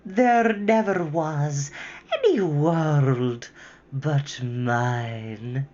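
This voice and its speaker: A woman reading a story aloud, voicing a coaxing, half-mocking enchantress queen in a high, slow, lilting voice. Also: a little mellow, muffled recording. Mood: hushed.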